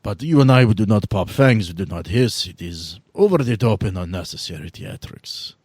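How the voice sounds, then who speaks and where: Man playing a husky, formal vampire power broker. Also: on the low side, expressive, a little mellow, no echo. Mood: guarded, confiding. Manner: formal, deliberate, avoids contractions. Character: courtly, shrewd old male vampire power broker with stiff formal speech. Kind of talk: in-character tabletop roleplay.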